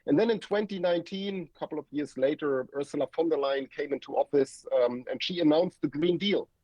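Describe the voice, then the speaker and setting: Male academic guest, German accent and native German, husky voice, measured explainer delivery, lo-fi dry remote line. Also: a little high, dark tone, no echo. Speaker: guest academic expert, professor. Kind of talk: explanatory interview talk. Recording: dull, lo-fi remote connection.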